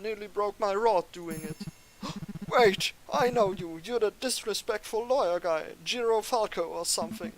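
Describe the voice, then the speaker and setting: A man's voice: sits high, measured pace, low-quality recording. A man putting on a chatty bird fisherman.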